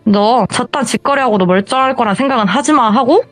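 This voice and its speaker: A woman's voice: on the high side, a little fast, no echo, soft background music, close to an everyday voice. A woman voicing a small, fierce young woman shaman who scolds and scorns in a told horror story. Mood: scornful.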